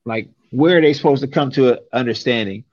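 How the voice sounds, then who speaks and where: A man's voice: medium pitch, quick pace, darkish tone, dry recording, highs cut off. A young man from San Francisco, talking casually and emphatically, often ending points with a rhetorical "right?". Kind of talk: casual conversation.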